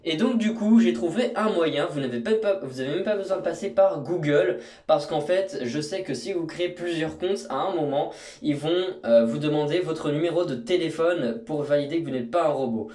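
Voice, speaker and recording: A man's voice: a little high, moderate pace, a little mellow. A young man walking through a screen tutorial in a casual, rambling way, full of fillers and restarts. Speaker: YouTuber. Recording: echoey room, mic at a distance.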